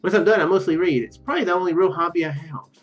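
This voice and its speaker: Male game commentator, fairly high pitch, halting, rambling, self-correcting, casual read-aloud, lo-fi mic, background game music. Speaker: let's play video host. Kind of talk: casual game commentary, reading visual novel text aloud. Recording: muffled lo-fi mic, music behind.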